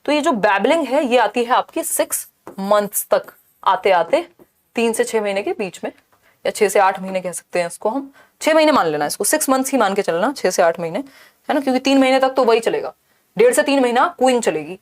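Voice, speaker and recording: A woman's voice: on the high side, animated, fairly quick. A woman teacher explaining an exam-prep lesson step by step, mixing in English terms and asking rhetorical questions. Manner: asks rhetorical questions and checks in with "thik hai".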